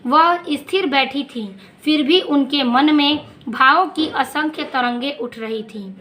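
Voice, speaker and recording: Slow, high-voiced woman teacher. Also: bright, forceful tone, a little hiss or hum. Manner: reads verses slowly, then explains. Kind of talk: explaining a poem.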